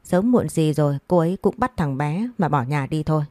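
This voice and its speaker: A woman's voice: sits low, lively intonation, dark tone, no room sound, clean studio sound. Woman doing a drunk, scolding husband. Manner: harsh, scolding, rapid-fire. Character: drunken abusive village husband, middle-aged man, scornful.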